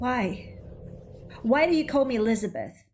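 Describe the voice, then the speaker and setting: A shaky, put-on character voice at a moderate pace with lively intonation. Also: woman, fairly high pitch for a woman. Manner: frightened, shaken.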